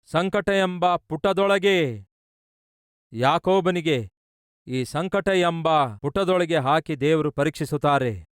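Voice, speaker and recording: A man preaches to his congregation with a fairly high, smooth and resonant voice. He puts questions to his listeners, answers them himself and stacks up long runs of repeated phrases. The sound is dry and close to the mic. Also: no room sound. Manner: reads out Bible verses. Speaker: pastor. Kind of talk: sermon.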